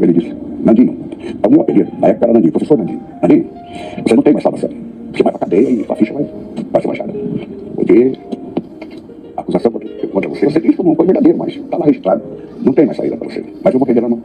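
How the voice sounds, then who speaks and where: A man from Brazil, older, preaching a testimony as a pastor, telling his story with animated storytelling and acting out the voices of others. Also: medium pitch, rapid-fire, narrow, tinny audio, soft background music.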